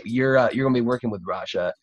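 A man's voice: mid-range voice, fast talker. A man in his twenties hosting a casual roundtable over a video call, talking in a gushing, slangy way. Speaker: podcast host. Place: cluttered room at home, indoors. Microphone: video call, computer mic. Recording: dull lo-fi video call audio.

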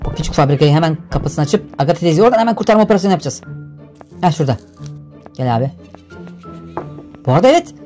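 A young man giving energetic, exclamatory gameplay commentary for a video. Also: fairly high pitch, very fast, pauses often, soft background music. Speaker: gaming YouTuber. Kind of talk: excited game commentary.

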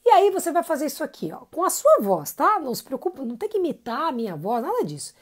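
A woman runs a live-streamed singing lesson, talking in a chatty, encouraging way. She greets viewers by name between explanations. Her speaking voice sits a little high. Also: huge pitch swings, quick pace. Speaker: singing teacher.

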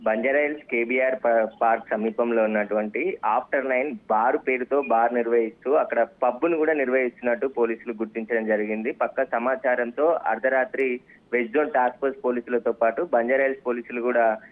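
A man reports live from the field over a telephone line, and his voice comes through thin and narrowband. He talks at a mid pitch and rambles, often pausing to fill gaps. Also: fairly even intonation. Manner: rambling with filler pauses. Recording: tinny phone line.

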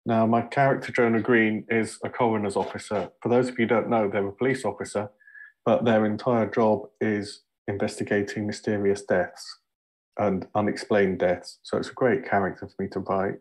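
Middle-aged man, southern English accent, lowish voice, relaxed, slightly hesitant, headset. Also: moderate pace. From Surrey, England. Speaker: author introducing his book. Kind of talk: casual self-introduction.

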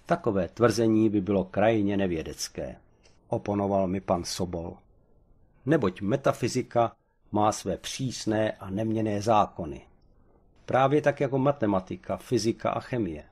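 A man's voice: lowish voice, darkish tone, slightly rough. A man voicing a self-assured male expert on the supernatural who lectures in a dry, unruffled way in an audiobook. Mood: pedantic. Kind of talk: audiobook character voice.

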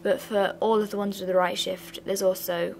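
Young woman, mid-pitched, slightly raspy, flat bored delivery, casual revision voice-over. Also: normal speed, a little hiss or hum. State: slightly raspy from sore throat. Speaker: revision channel host.

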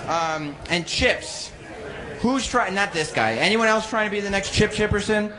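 A man working as a warm-up host on stage, bantering casually and teasing the people around him. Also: high voice, moderate pace. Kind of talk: live crowd hosting, casual banter. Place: stage at a live event. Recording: live venue with crowd noise. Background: audience noise.

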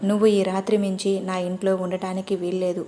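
A woman voicing a stern young man who questions a stranger bluntly and gruffly. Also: medium pitch, level tone, a little fast, dark tone, natural voice. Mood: curt. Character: stern young man, a wary rich host.

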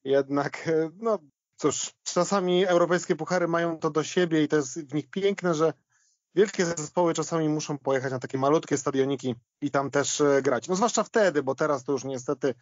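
A man with a slightly high voice talks football in a discursive, hesitant, conversational style. He often repeats words as he works through a point. The recording is dry and a little dull. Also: moderate pace, dry recording. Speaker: football podcast guest commentator. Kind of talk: conversational football reminiscence and analysis.

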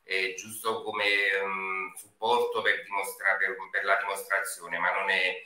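A very bright, cutting male voice on the low side. He chats casually as a guest on a video call. He sounds roomy and a little away from the mic. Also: little pitch movement, a little slow. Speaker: guest on livestream. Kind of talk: casual chat. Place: indoor room at home. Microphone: video call, distant mic. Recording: echoey room, distant video-call mic.

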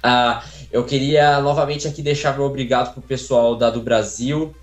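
A man's voice: mid-range voice, steady tone, normal speed. Young Brazilian man, roomy video call. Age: young adult. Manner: warm, grateful, rambling with many fillers and restarts. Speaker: interviewee, voice acting contestant. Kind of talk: casual interview over video call. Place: small room at home, indoors. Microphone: phone camera, video call.

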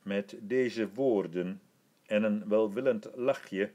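Calm male audiobook narrator, unhurried pace. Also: fairly low pitch. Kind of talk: audiobook reading of an old story.

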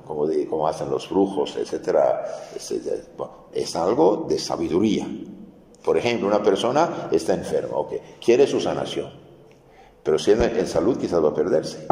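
A man, a priest, giving a catechism lesson for adults and explaining slowly, often repeating his key phrases. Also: sits low, warm tone. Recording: echoey hall with long reverb.

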